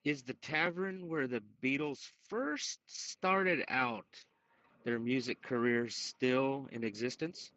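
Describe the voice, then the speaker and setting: A man's voice: medium pitch, takes it slowly, a bit bright. A man chatting casually as a podcast panelist in a hesitant, musing way. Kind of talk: casual chat. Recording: muffled lo-fi call, echoey room.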